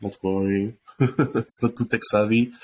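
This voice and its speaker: A man speaks in a French accent at a fairly slow pace. His tone is dark and mellow, with fairly even intonation. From France. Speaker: NFT project founder. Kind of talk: interview.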